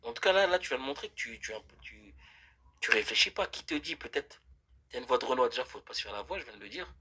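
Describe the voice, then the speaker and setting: A man's voice: mid-range voice, fast talker, background noise. A man live-streaming, arguing heatedly with his chat in a casual way, with many restarts. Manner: animated, argumentative, many restarts.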